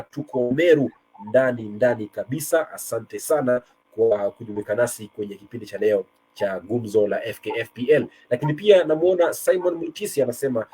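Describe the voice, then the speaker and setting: A man's voice: medium pitch, warm tone, slightly rough, poor audio. A man with a Kenyan accent hosting a football talk show in a conversational style, switching between two languages. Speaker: sports show host. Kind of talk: conversational football talk show presenting, mixing Swahili and English.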